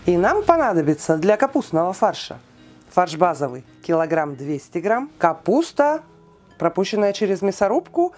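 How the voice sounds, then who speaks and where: A woman giving a calm, precise step-by-step cooking voice-over, listing weights and steps, with soft music behind her. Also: mid-range voice. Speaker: cooking channel host.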